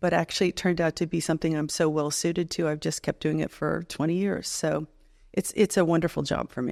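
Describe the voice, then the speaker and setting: With an American accent and vocal fry, a woman talks at a very fast pace in a fairly low voice with fairly even intonation, the sound dry and close with no echo. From US South, Middle Georgia. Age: 60s. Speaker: executive coach. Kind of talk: podcast interview.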